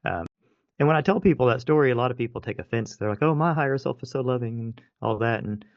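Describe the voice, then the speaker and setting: A man's voice: mid-range voice, animated, fast, dry recording. A man hosting a podcast, talking casually and rambling with many restarts and fillers. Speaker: podcast host. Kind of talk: casual conversation. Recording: dry muffled podcast audio.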